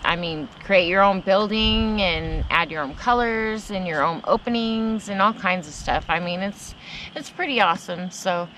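A woman's voice: mid-range voice, normal speed, a bit bright. A young woman in casual, upbeat chat, recorded outdoors by a camera a few meters away. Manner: upbeat, finishes her partner's sentences. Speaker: homesteading vlogger. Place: sunny yard outdoors, seated in camp chairs. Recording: noisy outdoor camera audio.

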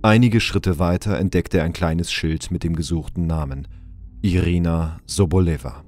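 A man's voice: low voice, normal speed, a little mellow, a little hiss or hum. A man reading scripted, descriptive narration for a sci-fi audio drama.

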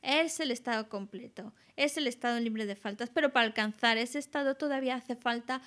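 A woman explaining Buddhist teachings as an interpreter, in a measured way with many restarts. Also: fairly high pitch, fairly bright tone.

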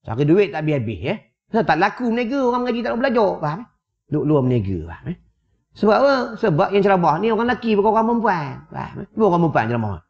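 A man with a Malaysian Malay accent preaching in a mosque prayer hall, animated and teasing, acting out little scenes with wives' voices. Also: sits high, racing, lo-fi sound. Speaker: religious preacher. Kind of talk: lively sermon.

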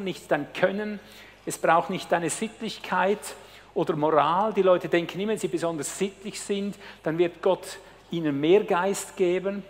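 High-voiced man preaching in a hall. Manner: intense preaching, addresses listeners directly, swings from hushed to loud cries. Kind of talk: sermon. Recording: long hall reverb.

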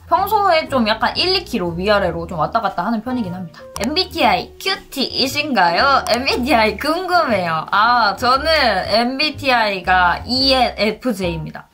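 A woman's voice: fairly high pitch, fairly bright tone. A woman in her thirties, a YouTuber, answering viewer questions in a casual chat from her bedroom, giggling often between answers. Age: 30s. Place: bedroom with purple lighting, indoors. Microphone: facing the camera at close range.

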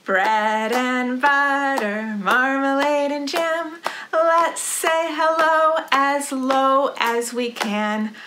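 A middle-aged woman leading a storytime for young children in an animated, rhythmic sing-song delivery, recorded in a living room. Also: sits high, very slow, background noise. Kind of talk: children's storytime read-aloud.

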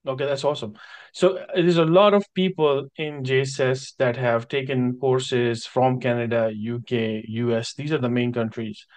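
A man's voice: mid-range voice, steady tone, normal speed, a little mellow. A man coaching someone in a casual, encouraging way over an online call. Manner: encouraging, affirming. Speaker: career coach, host. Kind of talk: casual advisory conversation.

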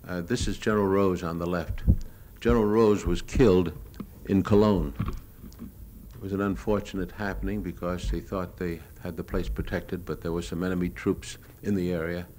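Deep-voiced man narrating over noisy old recording. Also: fairly even intonation, moderate pace, a little mellow. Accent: American. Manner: matter-of-fact, hesitant reminiscing. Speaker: newsreel cameraman. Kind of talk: unscripted narration of his own home movies.

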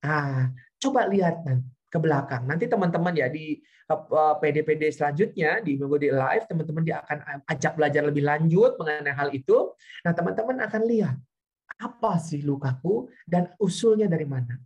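A man's voice: fairly high pitch, expressive, normal speed, darkish tone, lo-fi sound. A man giving an earnest sermon at a prayer meeting, telling a healing testimony and encouraging his listeners as friends.

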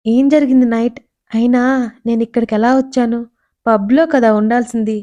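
A woman's voice: on the high side, fairly even intonation, dark tone, highs cut off, lightly acted. A woman voicing a feisty, stubborn young heroine in a storybook reading, talking back defiantly. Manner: quick-tempered, defiant.

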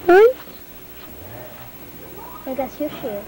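A Brazilian woman chats casually with her family in a very high, swinging voice. It is an old worn tape, heavily noisy, recorded outdoors on a camcorder. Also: sing-song, slow.

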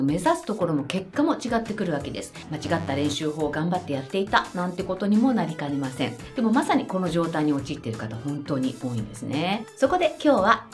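Lively Japanese vocal coach woman. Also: lowish voice. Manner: lively, friendly explaining with sung examples. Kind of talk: online singing lesson.

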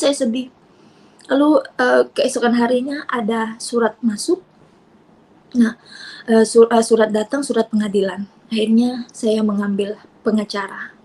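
A woman giving an emotional personal testimony as a convert, tearful at times, dropping to soft near-whispers and rising to raised outbursts. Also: fairly high pitch, slightly rough.

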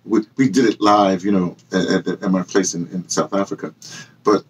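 A man in his sixties with a husky voice talks casually to camera, wandering between asides and correcting himself as he tells his story. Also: deep voice, fairly even intonation, moderate pace, a little hiss or hum, poor audio. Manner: digressive, self-correcting storytelling. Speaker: host of a personal memoir channel, audio dramatist. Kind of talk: casual rambling monologue to camera. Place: small indoor room with bookshelves and hung clothes.

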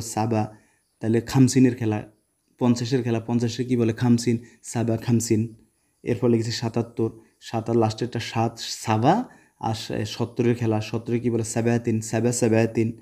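A man from Bangladesh teaches a casual video lesson in a mellow, husky voice. He explains step by step, asking questions and answering them himself, and drops English phrases in between. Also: mid-range voice, monotone, normal speed. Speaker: Arabic language teacher.

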